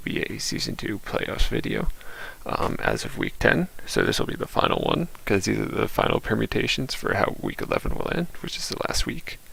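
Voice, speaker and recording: The speech is quiet and comes at a moderate pace. Noticeable background noise runs underneath. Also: man. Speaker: online gaming league commentator. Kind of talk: slideshow commentary on playoff scenarios. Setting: home recording late at night. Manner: quiet, held down because it is late at night; hesitant, many fillers.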